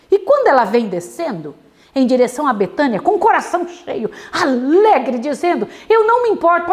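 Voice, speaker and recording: A woman gives a devotional Bible study sermon in a high, lively voice that climbs and dips a lot. She tells the story dramatically and keeps turning to her listeners with questions.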